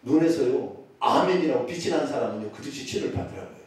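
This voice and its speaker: A man preaching a sermon as pastor, with a regional Korean accent, swinging between loud exclamations and hushed asides. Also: medium pitch, fast. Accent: Korean regional dialect. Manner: animated preaching with sudden loud exclamations and drops to near-whispers. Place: church sanctuary. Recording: echoey church sanctuary, from far off.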